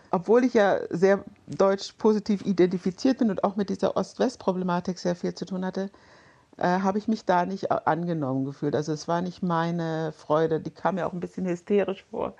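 A woman from Germany answers interview questions in a lowish, reflective voice. She hesitates often with fillers and sometimes lets out a short laugh as she recalls things. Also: a little mellow. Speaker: interview guest.

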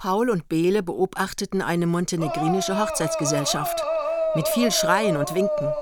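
A woman's voice: lowish voice, lively intonation, moderate pace, heavy background noise. A woman reading scripted narration as the narrator of a radio play, with music underneath.

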